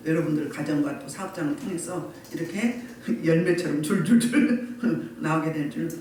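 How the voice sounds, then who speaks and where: Recorded from far off in an echoey sanctuary with a little hiss or hum, this Sunday sermon comes from a woman pastor who keeps challenging the congregation with rhetorical questions. She speaks at a normal speed in a low, somewhat mellow voice.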